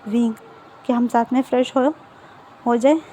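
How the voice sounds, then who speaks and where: A woman voicing a calm, gentle young man who speaks softly and coaxingly to his spouse. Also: on the high side, moderate pace, slight background noise, lightly acted.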